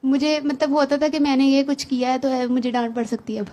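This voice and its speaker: A woman's voice: sits high, flat delivery, fairly quick, dark tone. A woman casually recounting a personal testimony, chatty and laughing, quoting what she said. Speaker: guest giving testimony. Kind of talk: casual storytelling.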